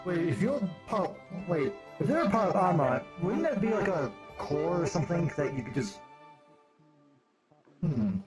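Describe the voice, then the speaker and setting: A woman with a lively, swinging voice improvises casual roleplay. She is hesitant and often trails off, with music clearly playing behind her. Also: lowish voice, moderate pace. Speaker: roleplayer in a virtual-reality game.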